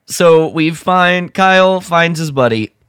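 A man's voice: fairly high pitch, takes it slowly, fairly bright tone, smooth, no room sound, clean studio sound. A man co-hosting a podcast, giving a casual, jokey recap of a story and slipping into mock dialogue. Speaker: podcast co-host.

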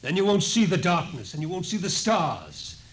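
An actor playing a coolly sardonic, authoritative scientist in a 1950s radio drama, speaking in measured, probing lines. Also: male voice, high voice, wildly swooping pitch, breathy edge, full character voice. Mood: firm, commanding. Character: commanding male scientist, coolly sardonic, explains things calmly. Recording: noisy old 1950s radio recording.

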